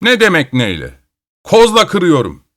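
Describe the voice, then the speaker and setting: A man voicing a hot-tempered old Cossack grandfather who shouts and curses. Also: sits high, wildly swooping pitch, a little slow, pitched above the performer's own voice, heavily acted. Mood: indignant. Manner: shouting and cursing. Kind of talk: storytelling.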